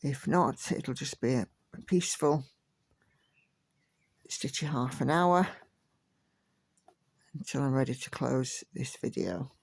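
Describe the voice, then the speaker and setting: A woman talks at an unhurried, easy pace, her voice settling into a low gravelly fry. The sound is close and dry, with no room around it. She chats gently from home as a crafting vlogger. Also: no room sound. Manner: slow, gentle, relaxed chatter. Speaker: cross-stitch vlogger. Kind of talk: casual chat while stitching.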